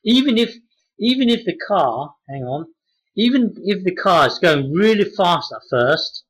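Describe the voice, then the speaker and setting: A man teaching a math example off the cuff, halting with many restarts and fillers as he works through it. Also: sits high, big pitch swings, husky, poor audio. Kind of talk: unscripted whiteboard explanation.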